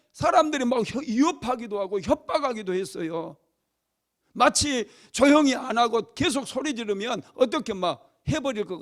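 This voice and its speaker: A male pastor delivering a Sunday sermon, telling a Bible story dramatically and raising his voice to act out cries. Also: high-pitched. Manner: dramatic storytelling, loud acted cries for emphasis.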